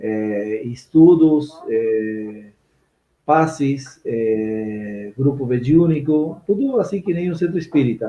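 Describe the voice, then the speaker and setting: Very slowly, a man with a Spanish accent speaks at a fairly high pitch with lively intonation. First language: Spanish (speaking Portuguese). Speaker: spiritist centre leader. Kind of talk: live radio interview. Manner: halting.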